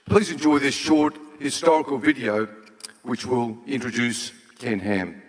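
A man in his sixties hosting an event from a stage, speaking formally in a measured, solemn way. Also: mid-range voice, fairly even intonation. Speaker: event host. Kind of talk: formal stage introduction and prayer. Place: large auditorium stage. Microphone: handheld microphone. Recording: hall reverb from stage PA.

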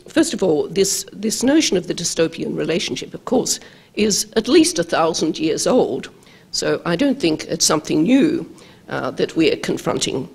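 An older Australian woman, a law professor with a croaky voice from travel, giving a halting conference lecture at a lectern microphone in a large hall. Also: on the low side, darkish tone. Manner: halting, many ums and uhs, measured.

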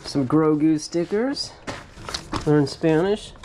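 A man's voice: fairly high pitch, slow, noisy background. A man hosting a casual storage-locker vlog, thinking aloud as he digs through items, with frequent hmms and little laughs. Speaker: storage locker reseller host. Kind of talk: casual unboxing commentary. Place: cluttered metal storage unit.

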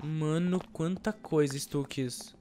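A young man hosting a gaming channel, chatting excitably while playing and repeating words in bursts. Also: fairly high pitch, takes it slowly. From Brazil. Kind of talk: casual gameplay chat.

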